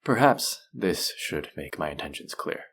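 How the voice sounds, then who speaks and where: A man playing a suave, manipulative supervillain in an intimate audio roleplay, measured and teasing, softly menacing yet tender toward his captive. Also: big pitch swings, heavily acted. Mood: scornful, earnest. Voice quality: low, creaky voice.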